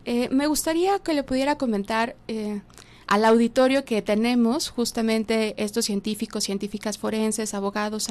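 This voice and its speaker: A woman's voice: on the high side, darkish tone. A woman moderating an interview, asking formal questions in a polite, slightly hesitant way. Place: university auditorium.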